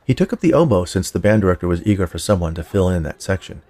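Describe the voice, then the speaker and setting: Low, gravelly male fiction narrator. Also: big pitch swings, fast, mellow. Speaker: writer, narrator and podcast producer.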